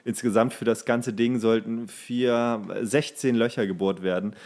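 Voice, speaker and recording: A man's voice: medium pitch, fairly even intonation, a little mellow. Man rambling through a casual story. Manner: halting, self-correcting storytelling. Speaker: podcast host. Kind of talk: casual chat, rambling anecdote.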